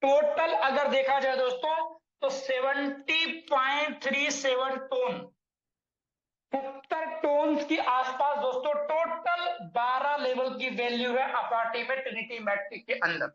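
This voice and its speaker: He's very high-voiced and a bit bright, speaking unhurriedly with a steady tone. The man walks viewers through an earning plan, often calling them friends and correcting his figures along the way, recorded in an echoey room with dull, lo-fi quality.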